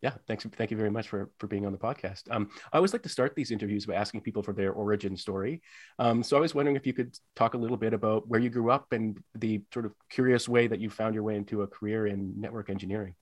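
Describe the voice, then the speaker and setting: A man hosting an interview podcast, talking quickly and thoughtfully in long winding sentences. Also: on the low side, fairly even intonation, no echo. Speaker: podcast host.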